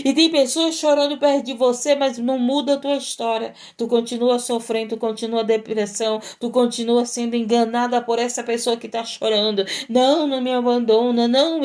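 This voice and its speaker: A woman's voice: fairly high pitch, a little mellow. A woman missionary preaching a sermon, fervent and repetitive, often breaking in with praise to God.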